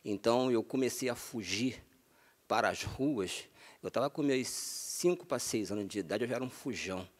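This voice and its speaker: A man from Minas Gerais telling his life story in a TV interview, slow and earnest, often repeating himself. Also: mid-range voice, lively intonation. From Minas Gerais, Brazil. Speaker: interview guest. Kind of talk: testimony in a TV interview.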